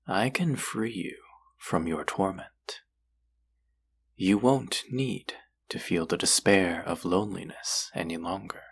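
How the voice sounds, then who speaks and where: A man playing a courtly, possessive demon in a roleplay audio drama, speaking formally and deliberately in a husky, gravelly voice. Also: low-pitched, heavily acted. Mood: hungry, seductive. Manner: formal, slow, deliberate, coaxing. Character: possessive, courtly male demon who hungers for hearts. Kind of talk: scripted roleplay audio drama addressed to the listener.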